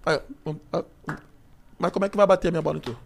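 A young man with a Rio de Janeiro accent, chatting casually and joking in slang with loud outbursts. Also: fairly high pitch, rapid-fire, vocal fry. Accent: Rio de Janeiro Portuguese. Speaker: podcast guest. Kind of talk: casual chat.

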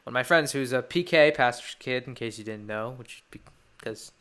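A teenage boy talks through a solo podcast in a rambling, eager fan's way. His voice is bright and ringing, with a smooth, clean tone. The delivery is loose and chatty. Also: mid-range voice, normal speed. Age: teens. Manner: rambling, enthusiastic fan chat. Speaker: podcast host. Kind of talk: casual solo podcast talk.

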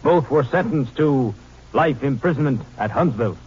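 A man's voice: mid-range voice, moderate pace, lo-fi sound. Male narrator on a noisy vintage radio. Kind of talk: scripted 1950s radio narration.

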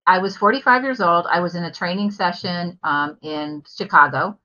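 Middle-aged woman guest, candid and earnest, bright lowish voice, muffled remote recording. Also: normal speed. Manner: open and earnest, with fillers. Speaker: podcast guest, life coach. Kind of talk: candid interview storytelling. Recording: dull lo-fi remote audio.

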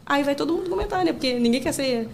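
Fast-talking chatty woman guest. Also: high-pitched, lively intonation, gravelly, a little hiss or hum. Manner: chatty storytelling full of fillers; breaks into laughter and acts out quotes. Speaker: podcast guest, content creator. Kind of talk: casual chat.

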